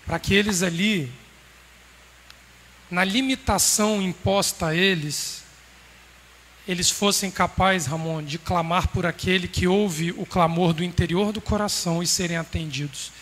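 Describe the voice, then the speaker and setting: High-voiced man preaching in a hall. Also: fairly bright tone. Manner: measured, emphatic preaching with pauses. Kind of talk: sermon. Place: congregation hall. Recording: roomy hall reverb, faint background noise.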